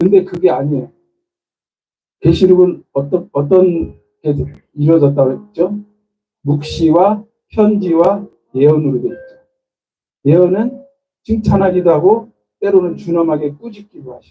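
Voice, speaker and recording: The delivery comes at a fairly slow pace with long, frequent pauses, big swings in loudness and ordinary pitch variation. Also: man, high pitch for a man. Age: 60s. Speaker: church leader. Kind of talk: sermon-style talk to congregation.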